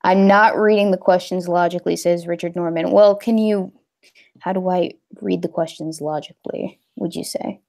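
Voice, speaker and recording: A woman's voice: lowish voice, steady tone, normal speed, gravelly, darkish tone. A young woman hosting a casual livestream, talking in a rambling, hesitant way with many fillers. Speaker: livestream host.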